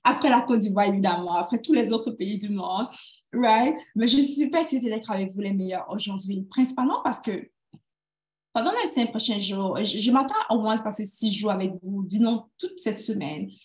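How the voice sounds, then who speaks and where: A woman's voice: medium pitch, moderate pace, roomy sound. A woman from Canada hosting an online Christian finance challenge, talking energetically to a live audience, mixing in English words and repeating herself before leading a prayer. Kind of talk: live-streamed teaching and prayer.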